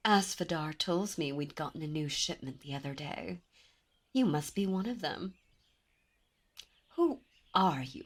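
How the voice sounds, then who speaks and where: A woman's voice: lowish voice, husky, heavily acted. A woman playing a haughty, seductive demon princess. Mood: amused. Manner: teasing, imperious, slow and intimate. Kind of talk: ASMR roleplay audio.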